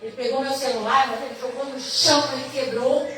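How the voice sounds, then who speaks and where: Emphatic high-voiced woman testifying in church. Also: steady tone, fairly quick. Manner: emphatic, repeats herself, addresses the congregation. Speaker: speaker giving a personal testimony. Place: church retreat hall. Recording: echoey hall, distant mic, music behind.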